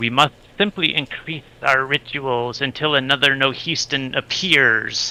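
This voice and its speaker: Over a hissing sound, a man puts on a character voice. He speaks at a moderate pace in a medium pitch. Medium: actual play.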